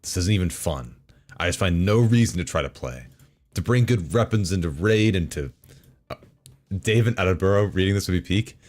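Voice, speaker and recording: A man's voice: sits low, animated, normal speed, a little mellow. A male streamer in casual chat, reading forum posts aloud between game loads with sarcastic, chuckling asides.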